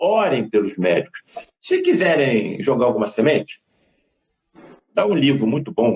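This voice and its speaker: A man speaks at a fairly high pitch, somewhat breathy. His pace is fairly slow. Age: 70s. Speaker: doctor. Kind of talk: interview.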